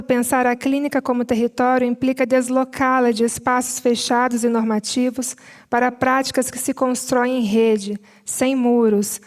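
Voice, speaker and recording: A Brazilian Portuguese-accented woman at a seminar panel, reading a prepared summary in a measured way with spoken asides. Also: a little high, a little mellow. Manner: measured, mixes read text with spoken asides and fillers.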